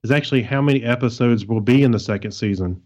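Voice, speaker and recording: A man co-hosting a casual podcast, speaking in a relaxed, agreeable way. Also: mid-range voice, quick pace, muffled recording. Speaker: podcast co-host. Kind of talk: casual chat.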